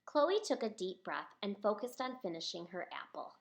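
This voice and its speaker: A woman's voice: mid-range voice, big pitch swings, normal speed, gravelly. A woman reading a picture book aloud as its author, speaking expressively to young listeners. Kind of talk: storybook read-aloud to children.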